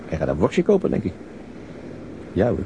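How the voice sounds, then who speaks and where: An actor playing a weary, worried police detective in a radio drama, with a husky voice and a brooding, measured manner. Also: male voice, low voice, huge pitch swings, highs cut off, noisy background. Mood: watchful.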